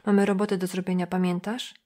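A woman voicing a firm, no-nonsense woman who speaks quietly and bluntly. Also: lowish voice, flat delivery, quick pace, natural voice.

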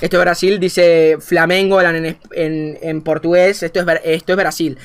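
A young man with an Argentine Spanish accent, commentating a game as a streamer, thinking aloud and swinging between quiet muttering and excited outbursts. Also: a little high, normal speed, a little hiss or hum. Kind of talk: gameplay commentary.

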